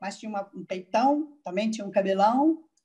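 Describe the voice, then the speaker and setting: A woman with a fairly high, somewhat breathy voice speaks in an animated tone. Her intonation is lively. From Minas Gerais, Brazil. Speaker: actress. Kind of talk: interview. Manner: animated storytelling.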